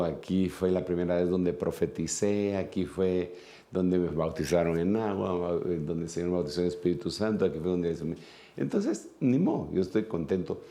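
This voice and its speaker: Guatemalan preacher, male, earnest sermon delivery with repetitions, low gravelly voice. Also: dark tone. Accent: Guatemalan Spanish. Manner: earnest, repeats phrases for emphasis, fillers and restarts. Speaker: apostle and preacher.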